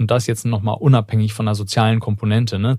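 Very fast and monotone, the voice is somewhat breathy, with a dark, mellow tone and flat intonation. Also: man. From Hamburg, northern Germany. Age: 30s. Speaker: journalist and author. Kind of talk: interview conversation.

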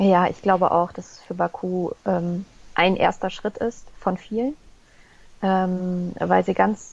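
This is a woman speaking. Her pitch is fairly low. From northern Germany, Hamburg. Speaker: journalist. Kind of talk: interview.

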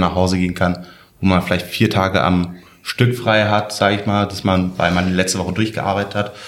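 Audible room echo carries a man's very deep, low voice, monotone and flat, delivered at a very fast pace. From Turkey. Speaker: hotel professional. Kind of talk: panel discussion. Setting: hotel industry conference.

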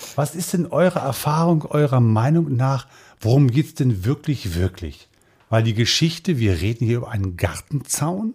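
Over a very clean recording with a silent background, a man's voice comes through somewhat breathy. His pitch swings very widely. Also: medium pitch for a man, moderate pace. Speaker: podcast host. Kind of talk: interview.

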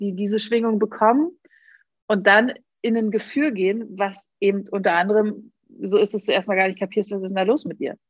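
This is a woman with a plain, everyday voice. Her pitch variation is ordinary. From East Berlin, Germany. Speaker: podcast host and coach. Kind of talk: interview.

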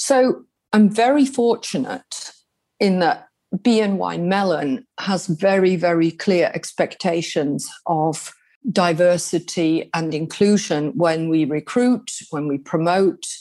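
A woman's very slow, lively voice, fairly low in pitch, with a dark, mellow tone against a quiet background. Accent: English. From England. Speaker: bank executive and mentor. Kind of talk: interview.

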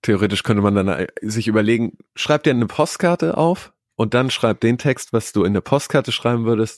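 A man at a moderate pace and medium pitch, lively in intonation, very even in loudness, hardly pausing, with dry, close sound and no echo on a very clean recording with a silent background. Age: 20s. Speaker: podcast guest, submissive, university student. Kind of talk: casual interview conversation. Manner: halting, many filler sounds.

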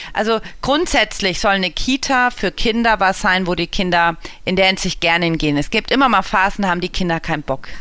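A woman's bright, sharp voice at medium pitch, with a slight Franconian accent, very even loudness, ordinary pitch variation and a fairly quick pace. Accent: Franconian, barely noticeable. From Bavaria, Lower Franconia. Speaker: early childhood education expert. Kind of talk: casual chat.

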